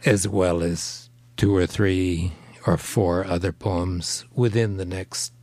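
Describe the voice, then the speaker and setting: A man, a translator, speaking hesitantly with many pauses and ums in an interview. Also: low-pitched, steady tone, darkish tone, no echo. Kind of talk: radio interview.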